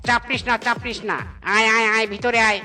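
A man's voice: extremely high pitch, little pitch movement, fast talker, sharp tone, faint music behind, heavily acted. A man voicing a cocky, clever monkey friend in a cartoon who drops English slang. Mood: confident. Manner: breezy, mixes English slang. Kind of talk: cartoon voice acting.

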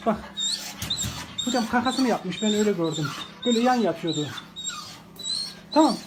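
High-voiced man softly coaxing, noisy phone clip. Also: animated, moderate pace. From Turkey. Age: 40s. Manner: soothing, coaxing, repeats short words over and over. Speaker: animal rescuer. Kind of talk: unscripted phone video.

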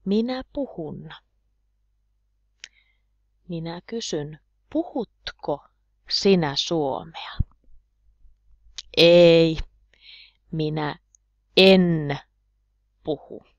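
A woman teaching a slow, clear beginner grammar lesson, drilling each form one by one and sometimes dropping to a whisper. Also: sits low, dry recording, muffled recording. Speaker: language teacher.

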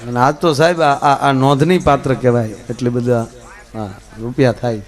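A man telling folk stories and jokes to a live audience, swinging between loud telling and soft asides. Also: mid-range voice, fairly even intonation, normal speed. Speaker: folk storyteller and comedian. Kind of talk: live folk storytelling on stage.

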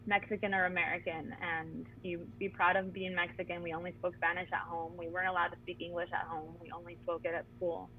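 A woman's voice: on the low side, fairly quick, few pauses. A woman in her thirties, a chef from the San Diego–Tijuana border, telling her own story animatedly on a video call from home. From San Diego–Tijuana border region. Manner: animated, frequent "like" and "you know". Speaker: chef and guest. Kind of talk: personal storytelling on a webinar. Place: small home room indoors. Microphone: video call laptop mic. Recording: tinny phone-like call audio.

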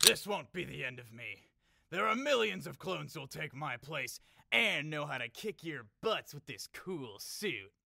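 A man's voice: a little high, very animated, unhurried, vocal fry, sharp tone, exaggerated voice. A man playing a bumbling, boastful thief in an amateur audio drama, blustering and stumbling over his boasts. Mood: flustered bluffing. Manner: hesitant bluster, stammering boasts.

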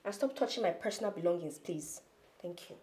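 A young actress with a Nigerian accent playing a headstrong teenage daughter in a naturalistic film drama. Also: female voice, on the low side, expressive, fairly quick, darkish tone, close to an everyday voice. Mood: angry. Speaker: actor. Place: house interior. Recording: clear background music.

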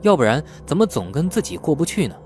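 A man's voice: on the high side, big pitch swings, quick pace, darkish tone, soft background music. A man reading scripted novel narration as an audiobook narrator.

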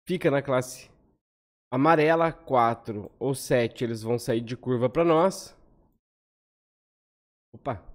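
A man in his thirties with a Brazilian accent, walking through lottery statistics on a spreadsheet in a casual, quick style and often ending phrases with a questioning "tá?". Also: a little high, darkish tone. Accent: Brazilian Portuguese. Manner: quick, conversational, frequent "tá?" tag questions. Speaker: lottery analysis host. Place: home room, on webcam over screen share.

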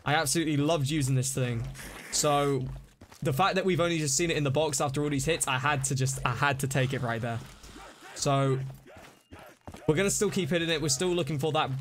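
A young man live-streams a zombie shooter, chatting excitedly with viewers, greeting them by name, and going hoarse from all the hype. His voice is a little high, with a bit of hiss or hum in the recording.

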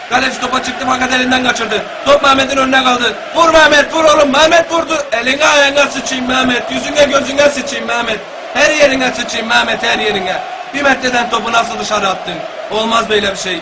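A noisy recording with ambience behind a comic Turkish football commentary. The commentator , acted by a man, is an exasperated, foul-mouthed local partisan with a Gaziantep accent. He talks fast in a high-pitched voice, sliding from formal match calls into folksy grumbling. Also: lightly acted. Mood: wry narration, then excited, exasperated. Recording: clear background noise and ambience.

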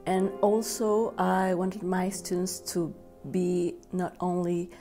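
A woman's voice: fairly low pitch, little pitch movement, slow pace, music in the background. A woman, a professor, answering earnestly in an interview in a library room. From Ecuador.

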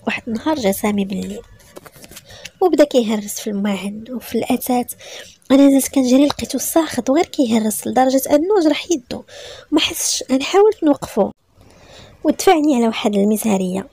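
A woman's voice: a little high, lively intonation, fast talker, dark tone, dry recording. A woman with a Moroccan Arabic accent narrating a first-person story in an emotional, breathless way.

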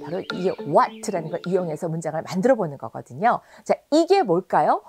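A woman teaching English in a video lesson, saying example phrases slowly and clearly. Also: lowish voice, very animated, loud music behind the voice.

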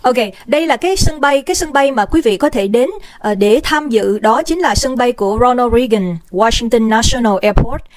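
A woman's voice: a little high, normal speed, dry recording. A woman hosting a casual livestream, chatty and bubbly, greeting viewers by name and mixing in English phrases. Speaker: livestream host. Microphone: desk microphone.

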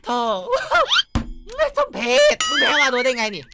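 A young male streamer calls his game in a loud, crude, boastful way and keeps shouting at the players he fights. His pitch leaps all over the place as he gets worked up. Game music plays clearly under his voice. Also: wildly swooping pitch, fast. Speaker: gaming streamer. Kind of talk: excited gameplay commentary. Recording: music heard clearly behind the voice.

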